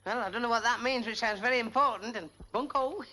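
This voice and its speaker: An actor playing a naive, cheerful young mill worker, talking in an eager, gormless, giggly comic way. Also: male voice, extremely high pitch, sing-song, brisk, sharp tone, heavily acted. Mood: bemused.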